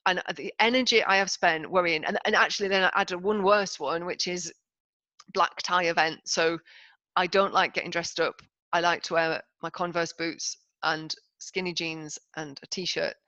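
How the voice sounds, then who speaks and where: A woman's voice: fairly low pitch, steady tone, normal speed, sharp tone, no room sound, dull audio. A woman speaking as a podcast guest, candid, emphatic and self-deprecating in casual conversation. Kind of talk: candid casual interview talk.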